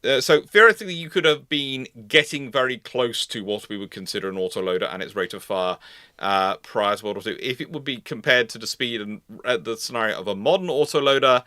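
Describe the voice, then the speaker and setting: A man's voice: medium pitch, bright, forceful tone, no room sound, clean studio sound. A man hosting a live history question-and-answer discussion, speaking off the cuff and often rephrasing himself mid-sentence. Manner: halting, self-correcting, rephrasing mid-sentence. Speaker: host of a naval history live Q&A.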